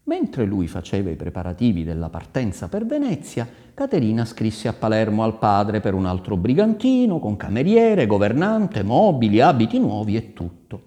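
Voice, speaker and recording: A man reads a folk tale aloud with a lowish, mellow voice. His delivery is animated and expressive, and his pitch swings very widely, with dramatic pauses. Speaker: storyteller.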